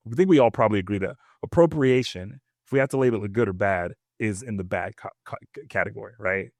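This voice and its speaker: Male host, lower register, conversational and questioning, recorded dry. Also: fast talker, darkish tone, dry recording. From Nigeria or Nigerian family. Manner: informal, checks back with questions. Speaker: podcast host moderating. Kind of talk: casual discussion, questioning.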